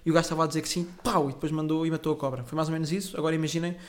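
A man's voice: fairly high pitch, steady tone, rapid-fire. A young man, telling a rambling, swearing, self-correcting story as a podcast host. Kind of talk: casual solo storytelling.

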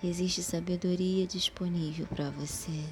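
A woman leading a guided Christian meditation in a soothing, hushed voice that at times nears a whisper. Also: lowish voice, steady tone, normal speed, slight background noise. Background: soft music.

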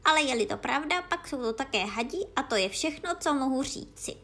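A woman voicing a suspicious, complaining male pigeon in a storybook reading, with a lowered, gruff, scolding voice. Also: animated, fairly bright tone, heavily acted. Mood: grumbling.

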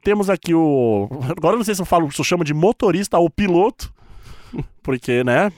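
Male podcast co-host, high, lively pitch, jokey banter, dry close sound. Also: fairly quick, dry recording. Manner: jokey, animated, describes photos for blind listeners.

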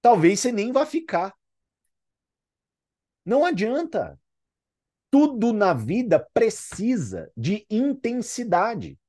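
A man's voice: sits high, very animated, takes it slowly, pauses often, dark tone. A male sales mentor with a Brazilian accent gives a fired-up motivational talk. He hammers his points home with emphatic repetition, pressing the same phrase again and again. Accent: Brazilian Portuguese.

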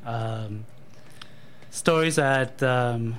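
Hesitant male guest, many pauses. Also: mid-range voice, a bit bright, a little hiss or hum. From born in Thailand to Cambodian parents, raised in Canada. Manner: hesitant, many ums and uhs, thoughtful pauses. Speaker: marketing manager and guest. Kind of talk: casual interview answers.

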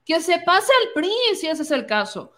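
Indignant high-voiced Mexican woman. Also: big pitch swings, normal speed, pushed and bright. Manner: indignant, sarcastic, mocking quotes. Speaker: political commentator. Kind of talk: opinionated political commentary.

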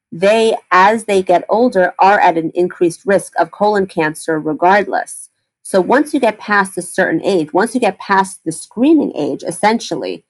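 A woman's voice: fairly low pitch, poor audio. A woman gastroenterologist answering interview questions, explaining in detail with frequent fillers and restarts.

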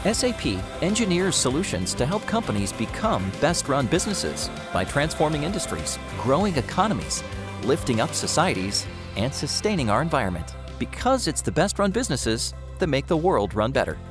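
A man's voice: fairly high pitch, sing-song, normal speed, music in the background. A man reading the scripted announcement that opens a podcast.

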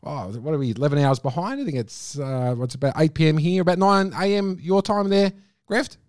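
A man's voice: on the high side, a little fast, a little mellow, no room sound, studio quality. A man hosting a podcast, effusive and piling on superlatives as he introduces and questions his guest. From Australia. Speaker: podcast host. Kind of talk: enthusiastic podcast interview. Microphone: remote call.

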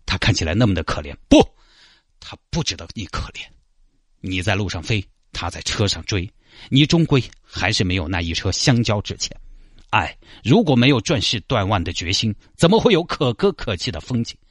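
A man's voice: fairly low pitch, big pitch swings, moderate pace, husky, no room sound, clean studio sound. A man with a Sichuanese accent telling a comic story, sliding into mock-solemn, pseudo-poetic recital.

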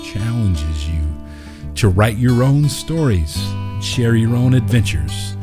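A man narrating as a podcast host and storyteller, with an earnest, unhurried delivery. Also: on the low side, expressive, over music. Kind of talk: scripted story narration and informal podcast sign-off.

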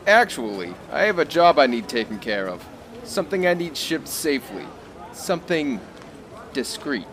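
A burly ex-military type with a shady job to offer. His voice sits on the high side and moves around a lot as he keeps up easy talk over nerves in an audio drama. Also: big pitch swings, moderate pace, fairly bright tone. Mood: discreet, persuasive. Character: tense, musclebound military-jacketed man peddling a shady job.

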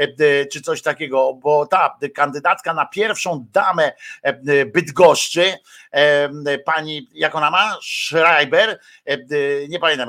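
A man with a fairly high, bright and forceful voice rambles through live-stream commentary. He hesitates often and drops crude slang. His talk stays loose and unscripted.

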